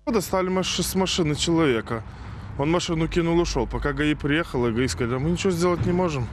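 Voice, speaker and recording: A young man answers a reporter on the street, his words tumbling out quickly at a slightly raised pitch. He sounds indignant, with faint traffic behind him. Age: young adult. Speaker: passer-by. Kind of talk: street interview. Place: outdoors on a street. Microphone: handheld reporter mic.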